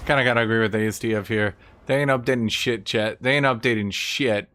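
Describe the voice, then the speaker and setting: A man's voice: medium pitch, fairly even intonation, fast talker, a bit bright, a little hiss or hum. A man giving casual, blunt and sweary live commentary on a strategy game as he streams to chat.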